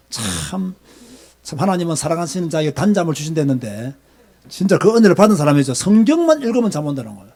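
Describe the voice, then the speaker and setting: A man's voice: on the high side, big pitch swings, a little fast, pauses often, warm tone. A middle-aged man with a Gyeongsang Korean accent, preaching as a pastor in an emphatic, scolding way, firing off rhetorical questions. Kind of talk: sermon lecture.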